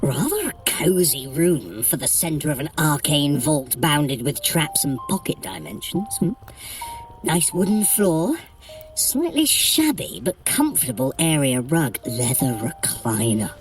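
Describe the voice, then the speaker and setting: A woman's voice: low voice, big pitch swings, a little slow, exaggerated voice. A woman playing a sly, haughty trickster deity in an audio adventure workout, with an arch, droll, condescending delivery. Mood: wry, commanding. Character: sly, haughty trickster deity guiding a mortal through a heist. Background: music.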